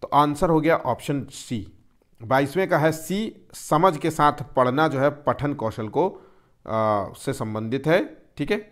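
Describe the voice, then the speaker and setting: Male teacher with a somewhat high voice, running a patient exam-prep lecture that asks and answers its own questions. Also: slow pace.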